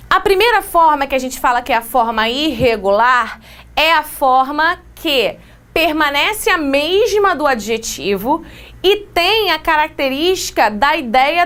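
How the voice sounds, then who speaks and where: A woman with a Brazilian Portuguese accent teaching an English grammar lesson, explaining with quick examples and playful asides. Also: high voice, fairly bright tone. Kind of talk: exam-prep grammar lesson.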